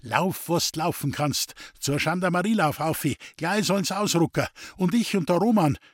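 A man's voice: on the low side, lively intonation, racing, breathy edge, no room sound, clean studio sound. A man voicing an angry old farmer who talks in Bavarian dialect and curses. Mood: furious. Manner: blustering, cursing.

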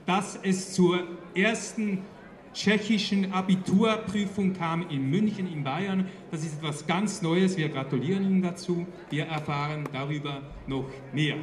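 A man speaks formally from a stage, his voice high for a man. It carries through an echoey, roomy PA sound. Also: measured pace. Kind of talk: public congratulatory speech. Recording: echoey open-air PA.

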